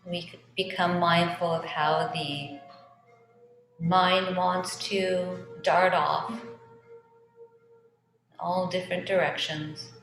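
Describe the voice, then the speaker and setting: Woman yoga teacher doing a guided meditation, soothing n unhurried, lowish voice, music behind her. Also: little pitch movement, fairly bright tone. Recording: echoey reverberant room with music behind.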